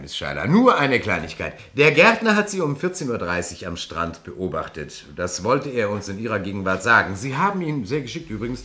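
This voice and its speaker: A man playing an authoritative, controlled police commissioner in a German radio crime play, speaking deliberately as he explains and questions. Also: lowish voice, sharp tone. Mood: explaining, assured. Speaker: police detective.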